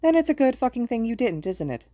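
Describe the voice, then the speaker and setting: A woman voicing a furious, foul-mouthed woman in an audiobook story, snapping forcefully and emphatically. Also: fairly high pitch, big pitch swings, normal speed, no room sound, voice pushed up. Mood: angry, demanding.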